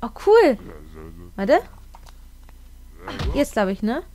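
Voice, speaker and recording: A woman's voice: fairly high pitch, sing-song, very slow, warm tone. A young woman doing playful game commentary, joking, singing snatches and reading game text aloud. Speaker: let's player.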